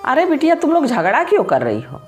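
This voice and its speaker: Brief: kindly old grandfather, secretly divine, in a devotional storybook, voiced by a woman; warm fatherly tone. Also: sits high, huge pitch swings, fast, soft background music, pitched above the performer's own voice. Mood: gentle. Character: kind old village grandfather, a god in disguise.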